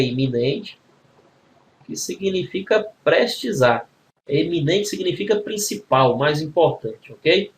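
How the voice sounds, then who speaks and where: A man's voice: fairly high pitch, a little hiss or hum. Male teacher explaining spelling rules. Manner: explains spelling rules step by step, with frequent tag questions. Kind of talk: grammar exam-prep lesson.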